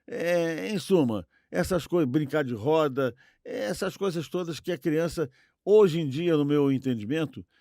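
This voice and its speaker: A man's voice: fairly high pitch, mellow, no room sound, clean studio sound. An older man with a Brazilian accent, chatting casually and nostalgically as a co-host, rambling and repeating himself for emphasis. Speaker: podcast co-host.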